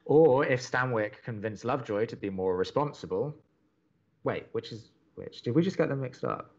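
An upbeat young college radio co-host in a romantic comedy podcast. He is chatty, wry and earnest, with a lively, moving pitch. The sound is slightly muffled. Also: normal speed. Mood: playful. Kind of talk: romantic comedy audio drama dialogue.

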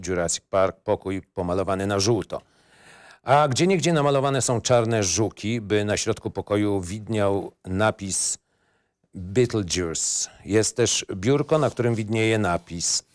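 This is a scripted screenplay reading in which a man narrates the stage directions in short, matter-of-fact phrases. His voice is lowish, and the studio-quality recording has no room sound.

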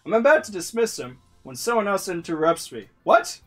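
A YouTuber reading a visual novel aloud with slow, laughing, swearing commentary. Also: mid-range voice, sing-song, a bit bright, faint music behind. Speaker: let's-play YouTuber.

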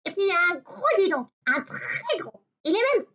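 A woman voicing a fussy, bossy little white rabbit who prattles quickly. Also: very high-pitched, big pitch swings, bright, forceful tone, pitched above the performer's own voice, exaggerated voice. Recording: dull lo-fi recording.

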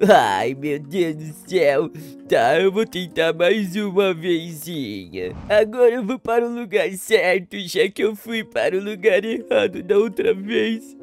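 Sadness, a mopey figure who sighs and drags every word while fumbling through a game, as a man puts her on. The voice sits high and sounds worn down and self-pitying. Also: expressive, faint music behind. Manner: drawn-out sighs, mopey slow delivery. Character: gloomy self-pitying Sadness, sighing and slow. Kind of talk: gameplay commentary in character.

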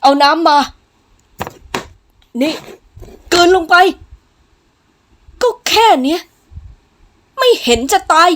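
A domineering master of the house, put on by a woman reader, loud and scolding with no patience at all. His orders come out cold and forceful in an audiobook drama. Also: extremely high pitch, lively intonation, takes it slowly, long pauses, pitched above the performer's own voice, heavily acted.

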